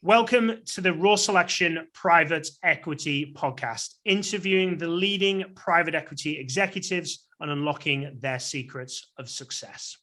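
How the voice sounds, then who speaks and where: A man's voice: on the high side, moderate pace, hardly any pauses, sharp tone, soft background music. A man hosting a podcast, asking interview questions in a polite, upbeat way. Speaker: podcast host.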